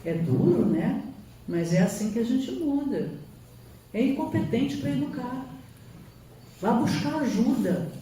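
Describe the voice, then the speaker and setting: A woman's voice: on the high side, expressive, measured pace, pauses often, dark tone, slight background noise. A woman giving an emphatic spiritual lecture, sometimes acting out quoted voices. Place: lecture hall. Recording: roomy hall from far off, faint ambience.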